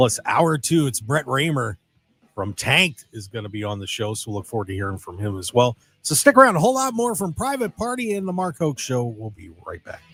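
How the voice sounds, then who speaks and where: With music in the background, a man speaks fairly quickly at a fairly high pitch, his voice swinging very widely. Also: big swings in loudness. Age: 50s. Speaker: radio host. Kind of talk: radio show.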